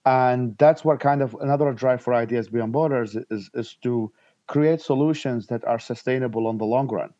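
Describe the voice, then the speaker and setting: A man from Iraq, in his thirties, answering interview questions in halting speech with frequent restarts and fillers. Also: mid-range voice, warm tone, no echo, highs cut off. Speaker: guest, nonprofit founder.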